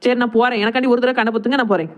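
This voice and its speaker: A woman's voice: a little high, steady tone, natural voice. A woman voicing a chatty, teasing young village daughter-in-law in a cartoon, coaxing her elders in Tirunelveli Tamil dialect. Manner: rapid, chatty, cajoling dialect speech. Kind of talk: cartoon family comedy dialogue.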